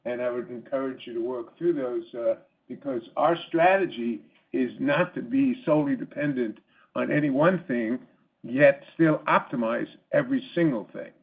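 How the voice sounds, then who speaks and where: A man speaking as a company executive on an earnings call, answering haltingly with repeated words. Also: mid-range voice, vocal fry. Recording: muffled phone-line conference call audio.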